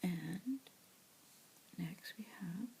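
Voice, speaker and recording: Woman, close-mic ASMR whisperer reading news aloud, low, gravelly, faint hiss behind. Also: lively intonation, drawn-out words. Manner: soft whisper with asides.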